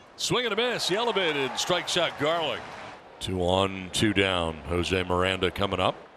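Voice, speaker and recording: A man speaks at a moderate pace with very even loudness. The sound is dry with no echo, though noticeable background noise is present. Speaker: baseball play-by-play announcer. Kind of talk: live sports commentary, calling each pitch as it happens.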